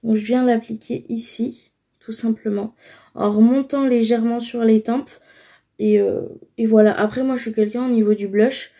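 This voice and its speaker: Higher-voiced woman, mellow chatty tutorial. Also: steady tone, normal speed. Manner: chatty, explains each step, many fillers. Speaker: beauty vlogger. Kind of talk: casual makeup tutorial.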